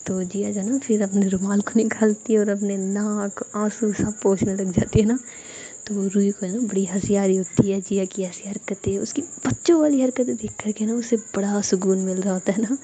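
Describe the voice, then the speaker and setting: Young woman, storyteller, soft hushed delivery, mellow voice. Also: mid-range voice, steady tone, moderate pace, husky. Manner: soft, hushed, half-whispered. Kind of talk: casual story narration.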